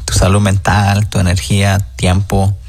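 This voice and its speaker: A man's voice: deep voice, monotone, measured pace, a little mellow, no echo. A man sending in a recorded audio message to a radio show, telling it earnestly. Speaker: caller leaving an audio message.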